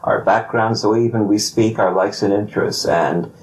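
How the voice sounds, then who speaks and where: A man hosting a podcast interview in a conversational style, with measured, deliberate phrasing. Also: lowish voice, a little hiss or hum, poor audio. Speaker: podcast host.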